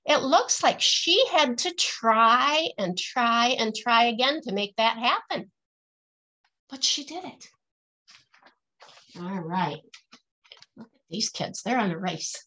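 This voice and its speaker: Lively, high-voiced woman reading to children. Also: takes it slowly, pauses often, low-quality recording. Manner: singsong, teacherly, emphatic delivery of rhymes. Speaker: children's author reading aloud. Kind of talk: picture-book read-aloud to children, with questions to listeners.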